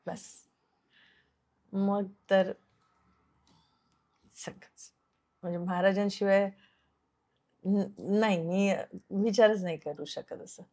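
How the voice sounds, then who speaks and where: A woman's voice: mid-range voice, fairly even intonation, slow, long pauses, darkish tone. A woman, a television actress, tells a personal story in an interview. She acts out the dialogue she quotes and drops English phrases into her speech. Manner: earnest, recounts events by acting out quoted dialogue.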